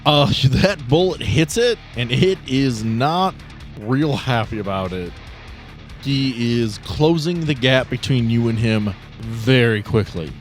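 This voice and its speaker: A man's voice: mid-range voice, expressive, slow, faint music behind. A man acting as game master, narrating a tabletop role-playing game in a casual, explanatory way. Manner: casual, explanatory, joking asides.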